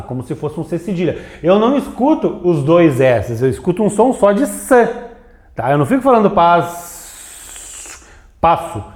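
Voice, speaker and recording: Lively, echoey teacher at a board. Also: male voice, fairly high pitch. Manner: explains with frequent "tá?" and "ó" checks; points at examples on the board. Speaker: grammar teacher. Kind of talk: video lesson at a board. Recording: roomy echo.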